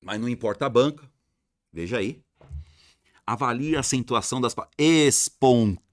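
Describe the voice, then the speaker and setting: A man's voice: medium pitch, normal speed, dry recording, studio quality. A man teaching an exam-prep grammar lesson, repeating rules emphatically and answering imagined student questions.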